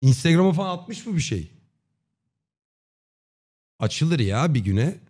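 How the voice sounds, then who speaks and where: A man in his thirties chatting casually on a livestream in a slangy, joking, deadpan way. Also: on the high side, unhurried, slightly rough. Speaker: live streamer. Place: dim indoor streaming room. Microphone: close desk microphone with headset on.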